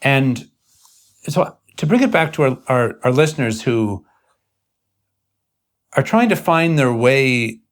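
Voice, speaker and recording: Man, mid-pitched voice, intellectual interviewer, halting and searching, formal wording, earnest conversation. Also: expressive.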